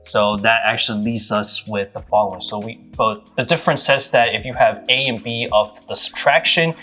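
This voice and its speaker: A man's voice: lowish voice, fairly even intonation, moderate pace, bright, forceful tone, faint music behind. A man explaining a math problem step by step in a casual, hesitant way, with many ums and restarts. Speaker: math tutor.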